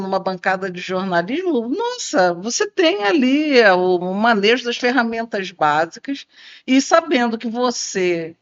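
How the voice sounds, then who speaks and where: A woman who explains speech delivery and acts out examples with her voice. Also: no echo. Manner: demonstrates intonation, lively shifts between low and high tones. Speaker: speech and voice expert. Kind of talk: explanatory conversation. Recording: dry, dull lo-fi sound.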